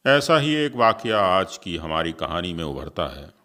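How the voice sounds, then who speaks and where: A man's voice: deep voice, very animated, measured pace, pushed and bright. A man hosting a story channel, narrating in a formal, literary style.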